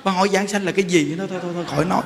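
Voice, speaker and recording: Lively high-voiced monk in a reverberant hall. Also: male voice, very fast, gravelly, over a noisy crowd. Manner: animated, laughing, addresses listeners directly. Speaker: Buddhist monk giving a dharma talk. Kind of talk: casual storytelling sermon. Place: temple hall. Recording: reverberant hall, faint background noise.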